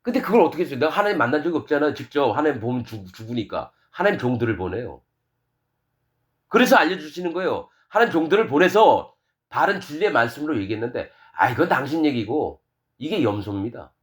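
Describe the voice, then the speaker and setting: Emphatic Korean preacher with a lively voice. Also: male voice. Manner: emphatic preaching, swinging between loud peaks and low quiet drops; quotes scripture in a slow, solemn reading voice. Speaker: pastor. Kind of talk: sermon.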